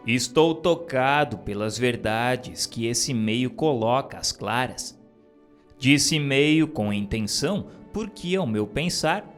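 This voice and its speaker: A man giving a measured, solemn reading of a spiritist book. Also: mid-range voice. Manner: measured, solemn, deliberate phrasing.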